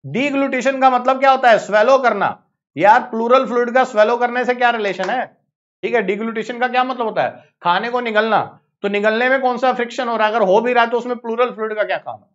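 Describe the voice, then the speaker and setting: A man with an Indian accent teaching biology in a live online exam-prep lecture, brisk and coaxing, repeating phrases to hurry his students along. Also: very high voice, fairly bright tone. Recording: slightly dull lo-fi audio.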